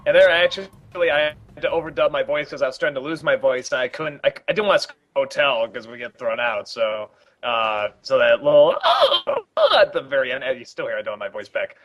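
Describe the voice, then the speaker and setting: A man giving a casual film commentary, talking in a rambling, halting way with many restarts. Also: medium pitch, very animated, fairly bright tone, dull audio.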